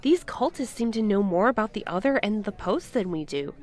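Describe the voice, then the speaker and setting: A woman's voice: medium pitch, fairly quick, close to an everyday voice. A woman playing a stubborn, curious, defiant woman in naturalistic audio drama dialogue. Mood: intrigued. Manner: expressive, argumentative.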